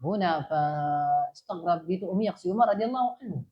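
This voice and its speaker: A woman teaching a religious lesson. She recites Arabic phrases and then explains them in a relaxed, conversational way, checking in with her listeners. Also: fairly low pitch, normal speed, lo-fi sound. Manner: asks listeners rhetorical checks. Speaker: Islamic teacher.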